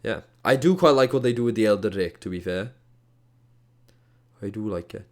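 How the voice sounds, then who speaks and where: A man's voice: fairly low pitch, moderate pace, darkish tone. A man with a Welsh accent, tinged with Scottish, casually reviewing a match as an esports caster, exasperated and jokey with slangy asides. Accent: Welsh, with a hint of Scottish. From Wales. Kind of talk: casual game review commentary.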